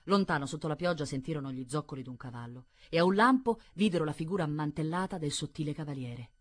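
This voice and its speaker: A woman narrating a literary audiobook in a measured, expressive manner. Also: low voice. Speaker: audiobook reader.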